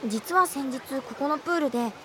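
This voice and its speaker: A woman's voice: high-pitched, a little fast, noisy background, lightly acted. A woman playing a friendly, upbeat, easygoing youngster in an anime audio drama.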